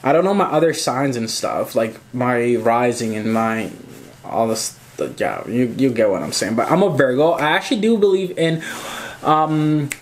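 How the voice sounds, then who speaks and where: A man's voice: mid-range voice, animated, moderate pace. A man in his twenties from Zimbabwe, chatting casually and rambling as he answers questions in a home vlog. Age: 20s. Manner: chatty, rambling, gestures with hands, swears casually. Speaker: photographer and YouTuber. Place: small indoor room at home.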